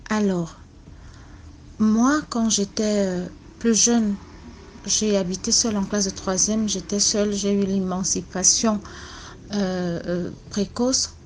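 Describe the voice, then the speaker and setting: Cameroonian woman caller, slow and soft, hesitant personal testimony, faint noise behind. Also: mid-range voice, fairly even intonation. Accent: Cameroonian French. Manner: speaks softly and slowly, with many hesitations. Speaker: caller sharing a story.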